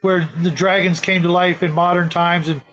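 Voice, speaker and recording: A man's voice: high-pitched, little pitch movement, normal speed, fairly bright tone. A middle-aged man hosting a casual live-stream chat, talking in a rambling, hesitant way. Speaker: show host. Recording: dull, lo-fi audio.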